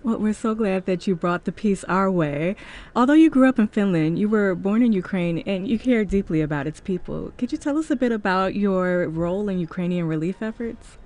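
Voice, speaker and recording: A woman's voice: medium pitch, lively intonation, normal speed, darkish tone. Gracious female broadcast host. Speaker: radio host. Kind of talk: broadcast interview.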